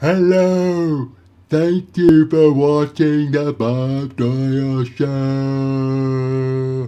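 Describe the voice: This is a put-on character voice with a low-to-middle pitch. It moves at a very slow pace.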